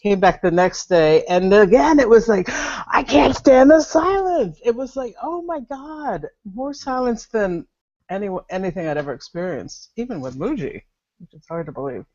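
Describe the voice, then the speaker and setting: A woman's voice: medium pitch, animated, normal speed, darkish tone. A woman at a spiritual gathering, sharing her experience over a video call, often laughing and sighing as she tells her story. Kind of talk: candid personal sharing. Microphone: remote video call. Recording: dull, lo-fi video call audio.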